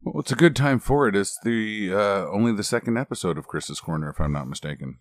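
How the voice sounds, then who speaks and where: A man's voice: fairly quick, no echo. A man, a co-host who jokes and teases during casual podcast banter. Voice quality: deep. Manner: joking, teasing, lively. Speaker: co-host and announcer.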